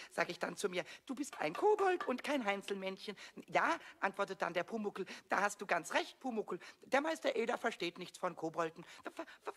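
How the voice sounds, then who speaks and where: Squeaky high-pitched cheeky little kobold. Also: male voice, noisy background. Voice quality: squeaky, screechy. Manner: boastful, rhyming, melodramatic. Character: small cheeky childish kobold, defiant and whiny. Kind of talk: German children's radio play.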